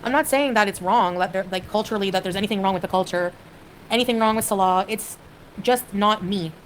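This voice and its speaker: A woman's voice: mid-range voice, a little fast, slight background noise. A woman from Canada chatting on a livestream, hesitant and rambling, with lots of fillers as she reads viewers' comments. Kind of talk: casual livestream chat.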